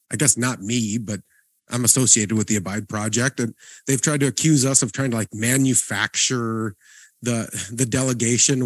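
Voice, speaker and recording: A man's voice: mid-range voice, no echo. A man co-hosting a church podcast, talking in an earnest, encouraging way with frequent restarts. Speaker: podcast co-host, guest pastor. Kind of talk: casual podcast conversation.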